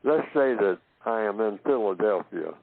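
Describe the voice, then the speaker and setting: A man from Oklahoma giving a slow philosophical talk, asking himself questions and answering them, and repeating phrases to build his point. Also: lowish voice, lively intonation, vocal fry, no echo. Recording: tinny phone-line audio.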